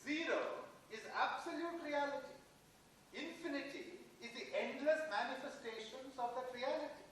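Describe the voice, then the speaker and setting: A man playing a shy, proud and devout young Indian mathematician in a play reading, earnest and at times halting. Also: extremely high pitch, a bit bright. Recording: very echoey, distant hall recording with noise.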